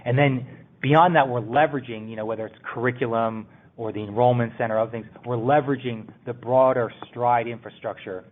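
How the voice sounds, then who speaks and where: A man speaking as a company executive, answering questions on an earnings conference call in a halting way, pausing mid-phrase. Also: mid-range voice, steady tone. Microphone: telephone conference call. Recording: tinny narrow phone line.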